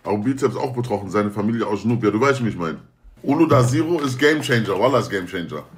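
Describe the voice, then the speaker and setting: A man's voice: lowish voice, expressive, fast talker. A young man talking casually to viewers on a livestream, slangy and joking, often swearing oaths. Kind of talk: casual stream chat.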